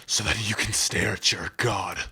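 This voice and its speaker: A gruff orc warrior acted out by a man in an ASMR roleplay, low and heavily rasping. He is blunt, brooding and defiant, and speaks in a slow, gravelly growl. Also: bright, forceful tone, full character voice. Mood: furious, threatening. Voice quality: gravelly, raspy.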